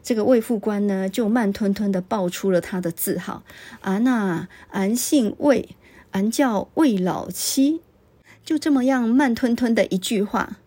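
Husky-voiced woman retelling a story. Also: on the high side, dark tone. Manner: conversational, frequent filler particles. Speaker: literature podcast host.

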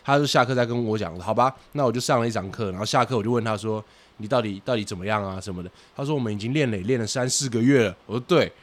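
On a podcast, a boxing coach chats casually, telling lively anecdotes and swearing for comic effect. He speaks rapid-fire in a fairly low voice.

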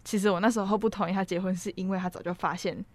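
An excited woman with a Taiwanese Mandarin accent hosts a casual chat and gushes as she retells scenes. She talks very fast and laughs often. Her voice sounds dry and close. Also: medium pitch, no room sound. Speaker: host.

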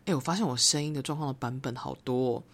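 A woman's voice: rumbling low, fast talker. A young woman with a Taiwanese Mandarin accent hosting a solo podcast, talking in a reflective, rambling way and slipping into English phrases. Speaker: podcast host. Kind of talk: casual solo podcast monologue.

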